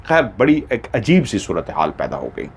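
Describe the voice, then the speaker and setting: A man's voice: lowish voice, huge pitch swings, moderate pace, gravelly, breathy edge. A man narrating a horror story in the first person, with dramatic storytelling.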